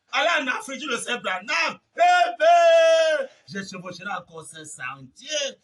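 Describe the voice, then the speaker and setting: A man preaching a fiery sermon, shouting refrains and dropping to low mutters, with chanting, repeated phrases. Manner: shouts refrains, swings between loud cries and low mutters. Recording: voice heard from a distance from the mic.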